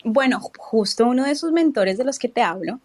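Lively woman telling her story. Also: a little high, a little fast. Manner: lively storyteller, acts out quotes, many fillers like "o sea". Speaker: founder of a PR company. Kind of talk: casual interview conversation.

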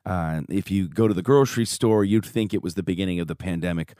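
A man with a hoarse voice hosting his podcast, upbeat and joking in casual chat. He grew up in Chicago. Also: low voice, fast talker, warm tone, no echo, studio quality. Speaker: podcast host. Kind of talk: casual podcast monologue and interview. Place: home studio.

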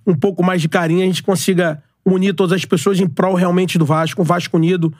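High-voiced earnest man in his forties. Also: flat delivery, fast, a little mellow, no room sound, clean studio sound. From Brazil. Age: 40s. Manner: earnest, repeats himself, speaks in slogans. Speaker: guest, club presidential candidate. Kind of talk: podcast interview.

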